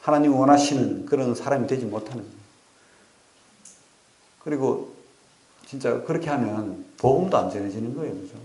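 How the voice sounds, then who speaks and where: A male pastor preaching a sermon, telling stories with animated asides and rhetorical questions to the congregation. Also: medium pitch, normal speed, long pauses, roomy sound. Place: church sanctuary.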